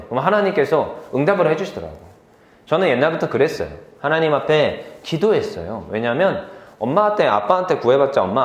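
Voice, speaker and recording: A young man preaching a sermon to a youth group, telling stories from his life in a lively way, laughing easily and asking the listeners questions. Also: medium pitch, echoey room. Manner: lively storytelling, quick to laugh; asks the listeners questions directly.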